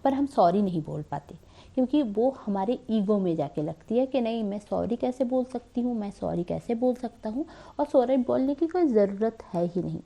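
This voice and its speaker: Slightly under the weather and coughing, this woman chats to the camera on her spiritual channel, asking rhetorical questions along the way. Her voice sits on the high side, gravelly yet warm, with lively intonation and a moderate pace.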